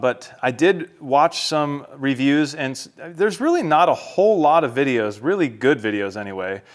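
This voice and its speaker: Man, American accent, medium pitch, casual vlogger, product unboxing, explanatory how-to talk to viewers.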